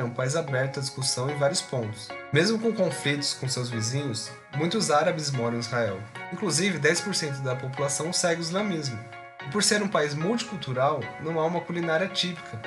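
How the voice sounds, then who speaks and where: A man hosting a podcast, reading scripted narration and interviewing a guest in a brisk, upbeat presenter's voice. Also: on the high side. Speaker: podcast host. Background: music.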